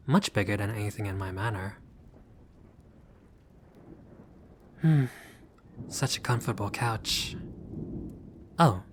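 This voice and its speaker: A man playing a haughty but friendly vampire lord in a roleplay audio, speaking in a formal, fussy, politely pompous way. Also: lowish voice. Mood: curious, polite. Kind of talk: scripted roleplay audio addressed to the listener.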